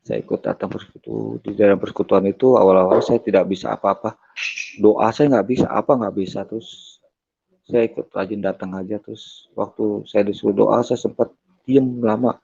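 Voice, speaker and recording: A man telling his personal testimony, hesitant and pausing often on fillers. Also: fairly low pitch, fairly even intonation, gravelly, warm tone, breathy edge. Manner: hesitant, strings events together with many fillers. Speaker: guest giving a testimony. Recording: dull lo-fi recording.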